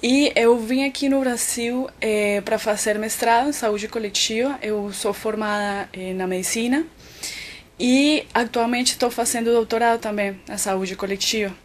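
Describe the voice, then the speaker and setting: Speaking unhurriedly with fairly even intonation, a woman whose voice is on the high side delivers an academic web lecture. She is a physician and researcher from Colombia with a Colombian Spanish accent, thoughtfully filling her explanations with "então" and "é," over slight background noise.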